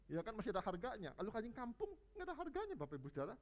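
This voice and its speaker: A male preacher giving a lively, conversational sermon at a church service, alternating loud rising peaks with quiet low stretches and often addressing the congregation directly. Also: rapid-fire.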